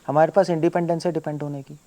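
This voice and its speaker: A man's voice: on the high side, flat delivery, racing, mellow. Emphatic man giving a devotional talk. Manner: emphatic, asks rhetorical questions, mixes English words. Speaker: monk teaching devotees. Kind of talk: devotional lecture.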